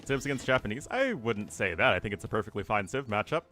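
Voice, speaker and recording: A man's voice: on the low side, animated, fast talker, bright, forceful tone, faint music behind. A man giving casual live commentary on a strategy game match while answering chat questions, chatty and thinking aloud. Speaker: streamer and caster.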